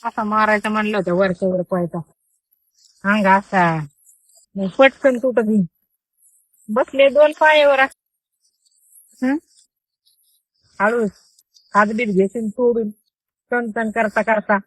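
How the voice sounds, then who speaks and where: Young woman, rural Marathi accent, high voice, grumbling to herself, talking to animals, close dry sound. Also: slow, pauses often, a bit bright, no echo, rough recording. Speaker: farm housewife vlogger. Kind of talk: casual monologue during chores. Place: rural farmyard outdoors with goats.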